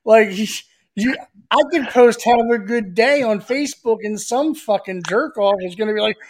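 A man in his forties, a guest on a casual podcast, telling stories loudly and swearing freely. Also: high-pitched, normal speed, slight background noise. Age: 40s. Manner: loud, profane storyteller.

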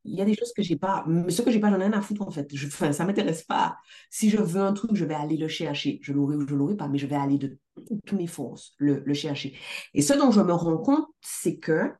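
A middle-aged woman success coach talking in a casual interview, emphatic and animated, swearing now and then. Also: low-pitched. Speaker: success coach, podcast guest.

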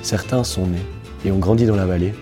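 A man with a dark, mellow voice hosts a podcast, moving from a read introduction to friendly questions for his guest. His voice sounds a little worn, and soft music sits faintly under him. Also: low voice, steady tone, fairly quick. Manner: warm welcoming narration, then friendly questions. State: slightly lost voice. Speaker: podcast host and interviewer. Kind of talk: scripted narration and casual interview.

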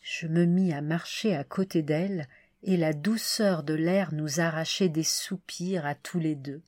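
A woman reading a classic short story aloud as an audiobook, measured and expressive. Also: low voice, dry recording, clean studio sound. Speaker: reader.

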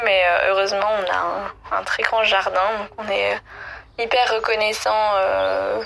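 A woman leaving a casual personal voicemail, talking hesitantly with many pauses and fillers. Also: mid-range voice, gravelly, bright, forceful tone. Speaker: listener leaving a voice message.

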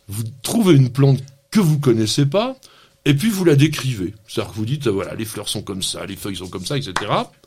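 A man's voice: lowish voice, a little hiss or hum. A man hosting a radio gardening show, chatting enthusiastically and teasing his co-host with frequent laughs. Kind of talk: lively on-air gardening chat.

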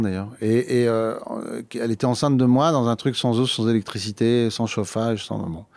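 A man's voice: mid-range voice, vocal fry, a little mellow, no room sound. A man from France recounting his childhood in an interview, hesitant, with many fillers and restarts. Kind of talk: personal storytelling in conversation.

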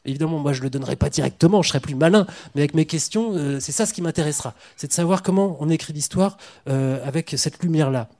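Mellow-voiced male panel host. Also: on the high side. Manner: chatty, self-deprecating, quick asides. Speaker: host, moderator. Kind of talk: panel discussion.

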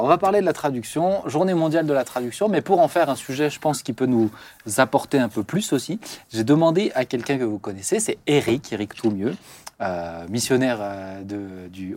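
A man hosting a Christian talk show, chatty and encouraging, often trailing off into soft asides. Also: mid-range voice. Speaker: host.

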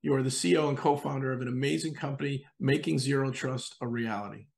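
Gravelly enthusiastic man hosting an interview. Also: mid-range voice, fairly even intonation, quick pace, darkish tone. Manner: enthusiastic, acts out quoted users. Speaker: host.

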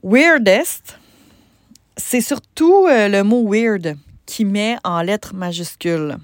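A woman with a Québécois French accent, a business coach hosting a solo podcast, talking conversationally with many pauses and restarts. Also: medium pitch, very animated, a little mellow, no room sound, clean studio sound.

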